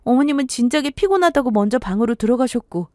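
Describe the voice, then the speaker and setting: A young bride-to-be, read by a woman storyteller who sounds puzzled and anxious, asking question after question. Her pitch sits higher than the narration and jumps around, recorded close and dry. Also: animated, fast, warm tone, no echo, lightly acted.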